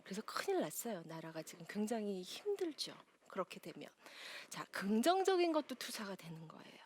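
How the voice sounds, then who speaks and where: A woman giving a lively lecture to an audience as a counselor, acting out quotes and laughing often. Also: medium pitch, a little fast, breathy edge.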